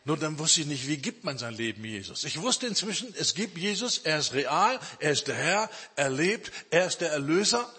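A man preaching a sermon testimony, emphatic, stretching some phrases out slowly. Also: on the high side, sing-song, bright, forceful tone, breathy edge. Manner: emphatic, with slow drawn-out phrases. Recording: long hall reverb.

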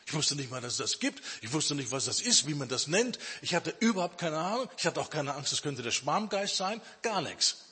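A man preaching a sermon testimony, emphatic, stretching some phrases out slowly. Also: fairly high pitch, big pitch swings, bright, forceful tone, husky. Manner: emphatic, with slow drawn-out phrases. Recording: long hall reverb.

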